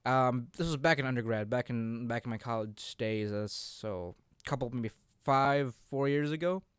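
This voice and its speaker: A man's voice: mid-range voice, normal speed, clean tone, no room sound, studio quality. A man in his twenties co-hosting a casual unscripted chat, rambling and often repeating his words. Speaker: podcast co-host.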